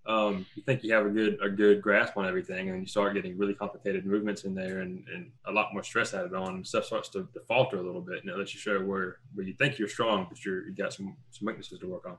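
Flat, low-voiced man with faint hiss. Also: fast, hardly any pauses. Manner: flat, filler-heavy, searching for words. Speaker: podcast guest, training student. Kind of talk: casual podcast chat.

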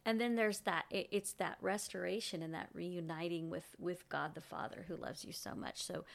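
Woman, lower voice, Christian co-host, encouraging, repeats words while talking. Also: steady tone, normal speed, gravelly. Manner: warm encouragement, repeated words as she builds her points. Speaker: Christian teaching show co-host. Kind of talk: conversational Bible teaching.

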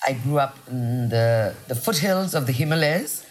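A woman from Nepal who grew up in India, a journalist and podcast guest, telling her story in an articulate, animated way. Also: extremely low pitch, normal speed. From Nepal, raised in India. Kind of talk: casual conversational interview.

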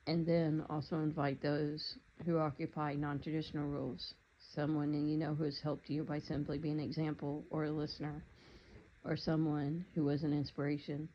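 Meditation guide, steady flat delivery, soft calm instructions, slightly muffled lo-fi recording. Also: mid-range voice, slight background noise. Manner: calm, unhurried, gently instructive.

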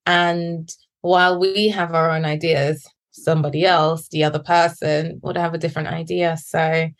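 Relaxed woman co-hosting a friendship podcast. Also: sits low, normal speed. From Guyana, raised in England. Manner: laughs easily, relaxed. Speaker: podcast co-host. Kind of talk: casual chat.

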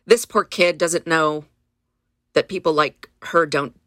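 A woman's voice: sits low, takes it slowly, fairly bright tone, no echo, studio quality. A woman in her fifties from California, Spanish her first language, talking earnestly through her past in an interview and often restarting her sentences. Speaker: guest. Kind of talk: reflective interview conversation.

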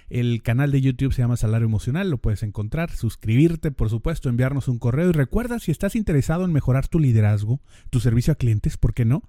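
Northern mexican guy hosting a podcast, super mellow dark voice, dry close sound, chats right at you. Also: mid-range voice, no echo. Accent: northern Mexican Spanish. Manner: conversational, addresses listener directly, acts out little dialogues. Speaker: podcast host. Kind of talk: casual podcast monologue.

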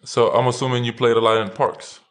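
A man from Lithuania hosting a casual interview, halting and restarting often, livening up when he tells stories. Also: mid-range voice, fairly even intonation.

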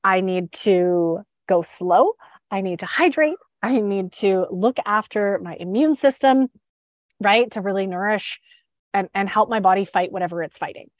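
With a medium pitch and a moderate pace, a podcast host who coaches sugar freedom keeps her live-stream talk chatty and cheerful despite a stuffy head cold. She uses fillers and restarts often, and the recording is dry.

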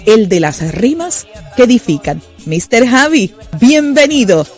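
A woman's voice: a little high, big pitch swings, unhurried, husky, soft background music. A woman hosting a live talk show interview, introducing her guest and asking questions with effusive praise. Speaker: host.

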